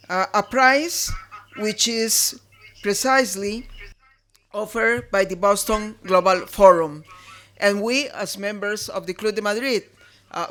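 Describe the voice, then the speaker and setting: A woman moderating a formal dinner, introducing speakers with slow, careful speech and brief hesitations. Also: medium pitch, fairly bright tone. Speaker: event moderator.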